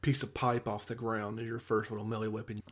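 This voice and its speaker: A man's voice: fairly low pitch, level tone, fast. A man co-hosting a casual gaming podcast, offhand and dry. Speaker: podcast co-host.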